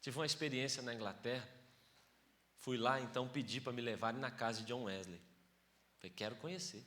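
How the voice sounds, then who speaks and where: Bright-voiced Brazilian preacher, man. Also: mid-range voice, brisk. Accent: Brazilian Portuguese. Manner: storytelling preacher, swings from hushed to loud. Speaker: pastor. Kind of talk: sermon. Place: church sanctuary.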